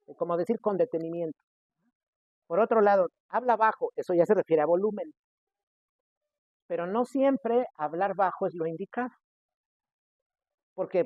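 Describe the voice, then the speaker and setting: Tinny high-voiced Mexican pastor preaching. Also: male voice, normal speed, long pauses, dry recording. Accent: Mexican Spanish. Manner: acts out quoted people, switching loudness. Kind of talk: sermon. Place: church. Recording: dry, tinny phone-like sound.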